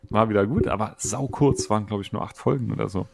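Low, creaky-voiced middle-aged man. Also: fast talker, a little hiss or hum. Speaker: podcast co-host. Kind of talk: casual chat about games and films.

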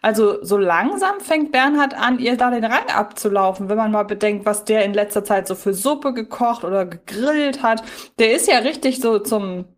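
A woman's voice: fairly high pitch, normal speed. A woman co-hosting a podcast, chatting casually in a reflective, digressive, wordy way. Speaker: podcast co-host. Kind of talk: casual review chat.

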